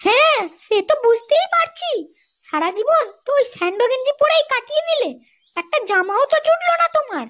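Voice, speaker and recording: A performer voicing a sharp-tongued young wife in a comedy cartoon, crude and taunting, with a West Bengal accent and a pitched-up voice. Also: big pitch swings, brisk, heavily acted. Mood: scornful nagging. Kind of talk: amateur comedy cartoon dialogue.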